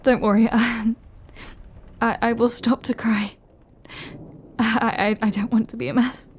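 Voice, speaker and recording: A woman playing a lonely, tender immortal vampire lover in an intimate audio roleplay, her voice breathy and often half-whispered, with an emotional delivery. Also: on the high side, level tone, a little hiss or hum, natural voice. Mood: tearful relief. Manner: slow, hushed, emotional delivery with long pauses.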